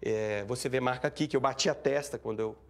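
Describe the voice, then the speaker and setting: A man recounting a tense event in an interview, animated and acting out what people said. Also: mid-range voice, fast. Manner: animated, acts out shouting and quoted speech. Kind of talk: emotional first-person account.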